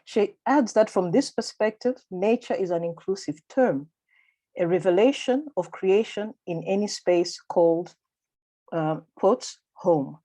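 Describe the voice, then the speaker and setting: A woman with a Malawian accent reading a prepared academic paper at a conference in a measured, formal and deliberate way over a video call. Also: medium pitch, warm tone. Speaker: conference speaker.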